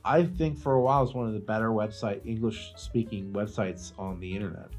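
A man's voice: fairly low pitch, fairly quick, darkish tone, soft background music. A man hosting a podcast in casual chat, opinionated and slangy, swearing freely. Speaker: podcast host.

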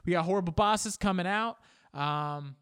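A man's voice: high voice, normal speed, fairly bright tone, clean tone, pitched above the performer's own voice. A man voicing an eager male marketing boss who runs a meeting and rambles with many hesitations. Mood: upbeat.

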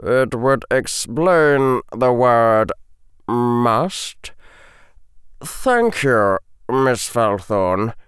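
A cold, stern professor speaks slowly and with restraint, as a male narrator puts him on. His delivery is smooth and controlled. The recording is close and dry. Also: animated, a bit bright, no room sound. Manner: measured, low and restrained. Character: stern, cold male potions teacher, middle-aged.

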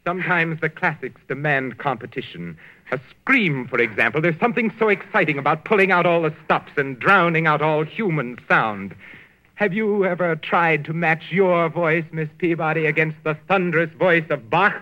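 An actor playing a suave, murderous male organist in an old radio drama, speaking in a silky, measured, gloating way. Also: fairly high pitch, bright, forceful tone. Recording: dull old radio recording with music.

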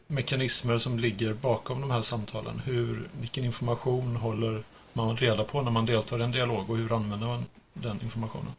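A man's voice: medium pitch, a bit bright, slight background noise. A middle-aged man, a professor, explaining his research in a conversational interview. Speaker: computational linguistics professor, interview guest.

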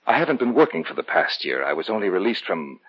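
A man's voice: deep voice, sing-song, fast talker, slightly rough, heavily acted. A guilt-haunted madman on old radio. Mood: nervous. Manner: pleading, hesitant, breaking into frantic shouting. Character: nervous, guilt-haunted young man, unhinged. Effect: old-time radio drama broadcast. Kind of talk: 1940s radio acting. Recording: dull lo-fi old radio recording with music.

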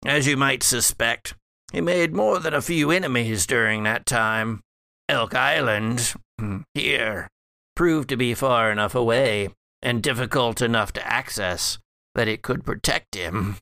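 A man acts out a sardonic undead patriarch for a gothic tabletop horror game. He drawls theatrically in a gravelly, forceful voice, taking his time and chuckling between phrases as he savors family secrets. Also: mid-range voice, a little slow, no room sound, clean studio sound. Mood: storytelling, relishing.

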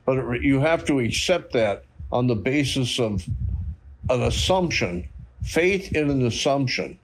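A man with a mid-range voice talks about his beliefs. He pauses often with fillers yet states his views firmly. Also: mid-range voice, expressive, poor audio. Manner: hesitant, many fillers, firm convictions. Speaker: church member giving a testimony. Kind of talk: personal faith testimony.

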